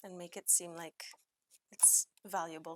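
A woman speaks at mid pitch, and her pitch moves normally. Hers is a plain, everyday voice. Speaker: actor's wife. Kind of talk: casual chat. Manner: laughs often.

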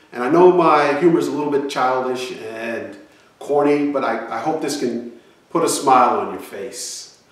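A man talks at a moderate pace. Audible room echo surrounds the voice. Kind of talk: casual vlog chat. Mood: jokey, upbeat. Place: garage.

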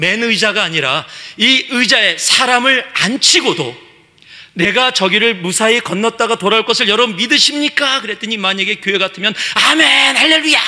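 Against a quiet background, a man projects a raised, high-pitched voice at a moderate pace. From South Korea. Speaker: visiting pastor. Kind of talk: sermon. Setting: church. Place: church. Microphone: podium.

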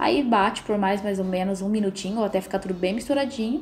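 A woman speaks very fast at a medium pitch. Noticeable background noise runs underneath. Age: 20s. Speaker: home cook, recipe YouTuber. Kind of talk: cooking tutorial voiceover. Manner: casual, friendly.

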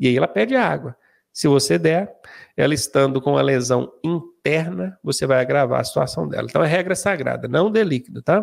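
Against a quiet background, a man talks at a fairly quick pace with very even loudness. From Brazil. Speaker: driving instructor. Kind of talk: tutorial. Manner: casual and conversational. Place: home room. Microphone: studio mic.

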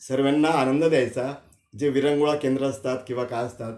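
This man's pitch is medium. He delivers his words in a monotone, flat way. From Maharashtra, Jalgaon district (Amalner taluka village). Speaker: retired teacher and amateur singer. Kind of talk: interview.

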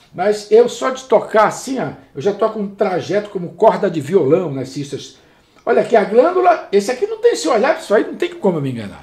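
A man's high-pitched voice in an animated tone, with audible room echo and a quiet background. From Brazil. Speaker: proctologist. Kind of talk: medical explainer video. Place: home room. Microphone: camera far.

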